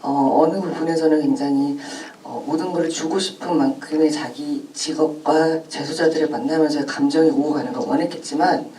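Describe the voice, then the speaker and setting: A woman actress answering at a post-screening talk, thoughtful and pausing often with soft fillers. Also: low voice, fairly even intonation, distant mic. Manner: thoughtful, with frequent pauses and "uh" fillers. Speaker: actress at a film Q&A. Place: cinema auditorium. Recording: echoey cinema, from afar, faint hum.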